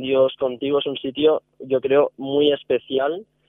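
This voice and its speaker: This man's voice sits at a medium pitch. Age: 20s. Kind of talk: testimony. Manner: cheerful.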